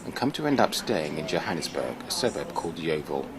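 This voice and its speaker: A man's voice: extremely low pitch, sing-song, fast talker, a crowd in the background, rough recording. A man giving scripted first-person documentary narration. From Britain. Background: music.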